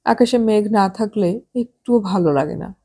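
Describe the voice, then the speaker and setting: Woman narrating a novel, measured and calm, kinda husky and dark. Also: medium pitch. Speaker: audiobook narrator. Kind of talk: scripted audiobook narration.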